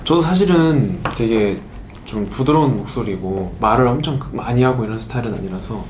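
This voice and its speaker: A young man speaks very quickly in an earnest, reflective way. His voice rings in an echoey room, with noise clearly heard behind him. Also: medium pitch, lively intonation, a little mellow. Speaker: K-pop idol. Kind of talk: casual chat.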